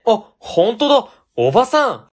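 A man's voice: extremely high pitch, big pitch swings, a little slow, exaggerated voice. A man playing an earnest young office worker in a radio drama, with a questioning tone. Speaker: ward office staffer. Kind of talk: amateur web radio drama acting.

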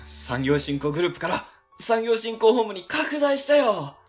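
A man playing an excitable, good-hearted office team leader with an eager manner in an amateur radio drama. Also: high voice, normal speed, faint music behind. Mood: elated. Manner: eager, expressive.

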